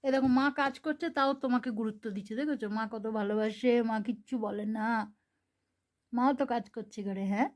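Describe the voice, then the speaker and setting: A woman's voice: on the high side, fairly quick. A woman vlogging at home, coaxing, scolding and fussing over her kitten. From Bengal. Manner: coaxing and scolding a pet, shifting between soft calls and louder reproach. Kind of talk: talking to her kitten while filming.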